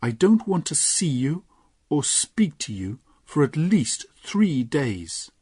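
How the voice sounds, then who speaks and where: Storybook reading: male narrator doing a pleading young lady, husky and dry-sounding. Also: fairly high pitch, very animated, slow pace, mellow, no room sound, pitched above the performer's own voice, full character voice. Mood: stern. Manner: pleading, emotional. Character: young noble lady, loving and earnest.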